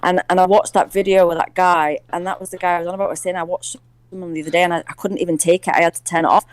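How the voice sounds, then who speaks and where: A woman's voice: lowish voice, smooth, dry recording. Chatty woman in her forties, bone-dry sound. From Hull, England. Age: 40s. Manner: chatty and excitable, quick to laugh. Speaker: caller. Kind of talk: casual call-in chat.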